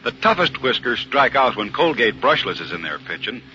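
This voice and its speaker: A man's voice: mid-range voice, big pitch swings, moderate pace, bright, forceful tone. An American man reading a 1940s radio commercial as a polished, punchy old-time narrator and announcer. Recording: narrow vintage radio sound, background noise.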